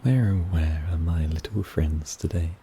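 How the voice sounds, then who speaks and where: Male performer as gentle wary forest mage, fantasy audio roleplay, soft-spoken, deep, mellow dark tone. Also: normal speed, a little hiss or hum. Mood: relaxed, musing.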